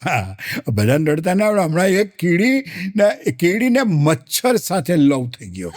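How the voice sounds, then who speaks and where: High-voiced male storyteller comic. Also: very animated, a little slow, a little mellow, no room sound, clean studio sound. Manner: chatty, addresses the audience as "saheb". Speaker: stand-up humorist.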